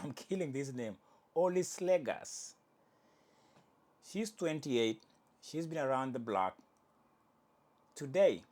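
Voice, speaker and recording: Animated jokey male sports host. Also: mid-range voice. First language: Swahili. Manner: animated, jokey, self-correcting. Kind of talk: casual sports commentary.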